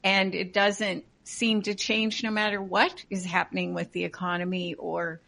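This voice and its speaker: A woman's voice: mid-range voice, flat delivery, moderate pace, vocal fry, bright, forceful tone. Outspoken woman co-host, plain mid voice, blunt. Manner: blunt, opinionated. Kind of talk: casual talk show chat.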